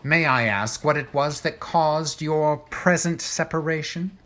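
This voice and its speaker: An actor playing a haughty, private, war-wounded gentleman in an audio drama, speaking in pompous, formal, precise phrases. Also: a little high, a little slow, a little hiss or hum. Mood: skeptical.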